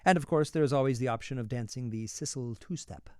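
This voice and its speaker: A man with an American accent voicing an urbane, coolly menacing city ruler in a storybook reading, measured, dryly polite and ironic. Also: medium pitch, smooth, dry recording, clean studio sound, lightly acted. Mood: calm menace. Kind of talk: storybook dialogue read aloud.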